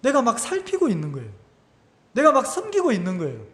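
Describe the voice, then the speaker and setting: A man pastor, giving a conversational, animated sermon full of rhetorical questions in a church. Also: very high voice, fast. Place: church sanctuary. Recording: echoey church hall.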